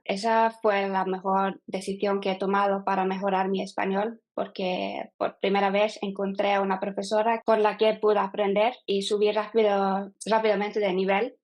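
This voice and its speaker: A Norwegian woman in her thirties, a non-native speaker, answering as an interview guest, often pausing and restarting as she talks. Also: medium pitch, a little mellow. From Norway. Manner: hesitant, with frequent fillers and restarts. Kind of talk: casual interview.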